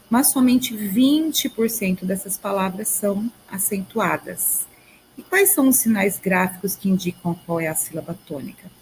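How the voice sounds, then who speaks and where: A woman's voice: mid-range voice, slight background noise, poor audio. Brazilian woman teaching a grammar lesson. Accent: Brazilian Portuguese. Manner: explains step by step, often checks in with "tá?" and "ok?". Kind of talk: recorded video lesson.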